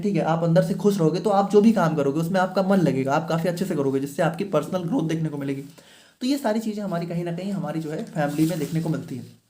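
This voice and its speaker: A pharmacy teacher gives an explanatory online lecture, mixing Hindi with read-out English and checking in often with short fillers like "thik hai." His male voice is high-pitched and mellow.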